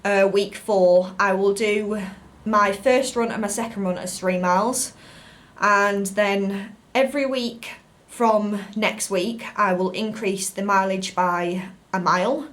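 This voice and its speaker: A woman's voice: medium pitch, fairly even intonation, takes it slowly. A woman with a British accent talking casually to camera as a fitness vlogger, explaining things in a rambling way.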